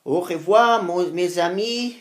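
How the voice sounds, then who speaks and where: Slow, halting woman speaking as non-native beginner. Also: fairly low pitch. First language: not French. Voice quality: non-native, beginner French with frequent errors. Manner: halting, repeating phrases while searching for words. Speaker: language learner making practice videos for own channel. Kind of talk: unscripted monologue practicing a foreign language.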